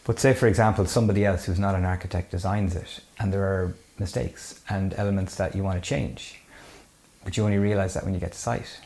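A man from the west of Ireland speaks in a low voice with a gravelly creak, and his accent is west of Ireland. He explains things as an expert guest in conversation, qualifying and rewording his points as he goes. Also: fairly even intonation, fairly quick, a little mellow. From County Mayo, west of Ireland. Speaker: architect, interview guest.

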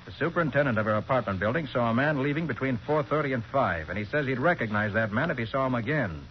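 An actor playing a tough, confident American private detective in a brisk, commanding 1940s radio crime drama style. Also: male voice, medium pitch, animated, natural voice. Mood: stern, pressing. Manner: brisk, commanding, sure of himself. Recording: noisy, dull 1940s radio recording.

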